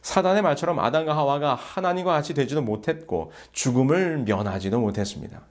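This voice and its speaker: A man preaching a sermon as pastor, telling a story in a slow, measured way and rising into emphatic calls. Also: a little high, animated.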